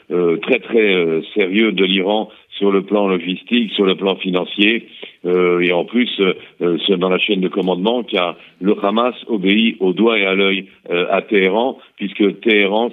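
A man, a former intelligence officer, giving a measured analysis over a phone line in a radio interview, pausing often with hesitant fillers. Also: deep voice. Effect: heard over a phone line.

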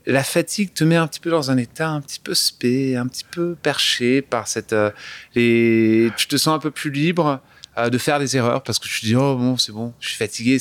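A man's voice: medium pitch, no room sound. A man in his thirties with a light English-tinged accent, a guest in an interview, talking casually with many restarts and fillers. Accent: light English-tinged French. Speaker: guest singer-songwriter.

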